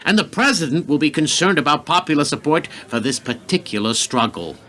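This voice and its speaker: An actor playing a hawkish, calculating senior White House aide in a radio play, speaking with deliberate authority. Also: male voice, a little high, sing-song, a bit bright. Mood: grim, resolute.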